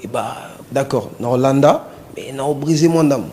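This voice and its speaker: A male musician being interviewed, talking in a relaxed, hesitant way and slipping in Lingala words. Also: mid-range voice, a little slow. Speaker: musician guest. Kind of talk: casual interview talk.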